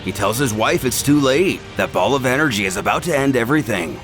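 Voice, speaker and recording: A man's voice: medium pitch, expressive, brisk, fairly bright tone. A man narrating a scripted story in a dramatic, theatrical and emphatic way, like a host telling an epic tale. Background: background music.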